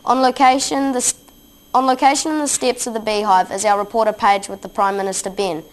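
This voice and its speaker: A woman's voice: fairly high pitch, steady tone, a little fast, natural voice, rough recording. A woman playing a male news anchor, delivering dramatic mock news. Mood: urgent.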